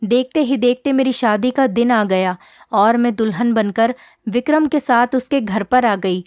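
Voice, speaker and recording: Female narrator, earnest scripted storytelling, higher register, dry close-mic sound. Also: a little slow, darkish tone, no echo. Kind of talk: first-person scripted storytelling.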